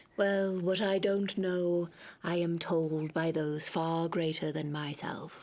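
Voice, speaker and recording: Using a put-on character voice, a woman speaks at a fairly low pitch and fairly slow pace in a monotone, flat delivery. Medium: actual play. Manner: grand, measured, mystical.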